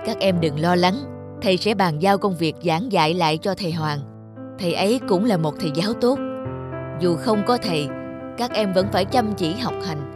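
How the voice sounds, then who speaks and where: A man's voice: sits high, moderate pace, music in the background, natural voice. A man voicing a strict but caring middle-aged schoolteacher in a children's cartoon, firm and instructive. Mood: kindly, reassuring.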